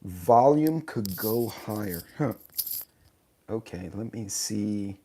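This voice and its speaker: A man, hoarse from his sinuses, hosting a casual live stream, rambling and joking at himself while greeting viewers by name. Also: fairly low pitch, lively intonation, slow, dark tone, a little hiss or hum. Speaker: channel host. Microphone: tablet mic in vertical live stream.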